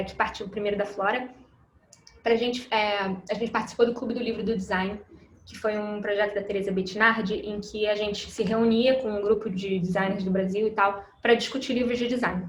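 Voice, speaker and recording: A woman's fairly high, somewhat breathy voice, fairly quick and monotone, with audible room echo. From Petrópolis, interior of Rio de Janeiro state, Brazil. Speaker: illustrator and designer, studio co-founder. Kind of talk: guest talk presenting work. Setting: video call. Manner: fast.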